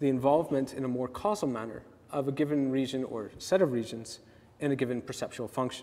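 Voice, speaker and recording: A man talks at a fairly quick pace. He speaks with an American accent. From United States. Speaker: neuroscience professor and lab director. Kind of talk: academic lecture. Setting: lecture hall with live audience. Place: hall.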